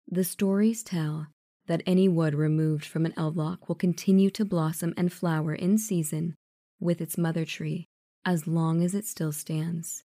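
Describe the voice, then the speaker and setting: A man voicing a calm, mysterious noble lady in a mask, speaking in a soft, clear whisper. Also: a little high, unhurried, no room sound, studio quality, pitched above the performer's own voice. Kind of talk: storybook character voice.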